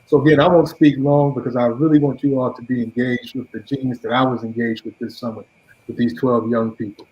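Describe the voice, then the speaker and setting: A man, the program's director, giving a measured graduation speech with frequent fillers and restarts. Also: mid-range voice, steady tone, darkish tone. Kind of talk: ceremony speech. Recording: dull lo-fi sound.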